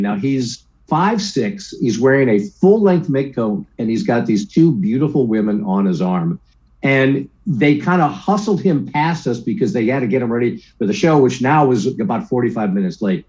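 A man in his sixties tells stories from his career in a casual interview, mimicking the people he quotes. His voice is dark and mellow. The audio sounds a little muffled and lo-fi. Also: medium pitch. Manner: lively anecdotes, acts out quoted voices, keeps asking "right?". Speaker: guest, sports broadcaster.

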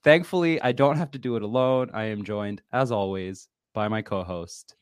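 A man's voice: on the low side, normal speed, clear, resonant tone, no echo, clean studio sound. A man hosting a casual podcast with a playful manner and frequent laughter. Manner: animated, laughs often, playful. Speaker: podcast host.

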